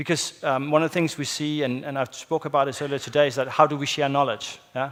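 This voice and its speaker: Very fast speech with a Danish accent. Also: man. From Denmark. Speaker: engineering consultant. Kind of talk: conference presentation. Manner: hesitant, many fillers.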